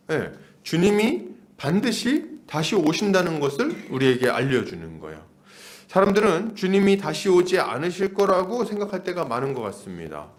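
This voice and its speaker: Guy around 40 doing a pastor's sermon, really animated intonation, repeats stuff for emphasis, asks lots of rhetorical questions. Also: on the high side. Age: about 40. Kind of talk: expository sermon to a congregation.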